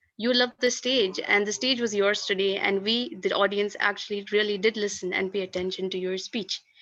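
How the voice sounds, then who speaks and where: The speaker uses an ordinary speaking voice at a fairly quick pace with ordinary pitch variation. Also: woman. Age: young. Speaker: speechcraft participant giving evaluation. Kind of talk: speech evaluation.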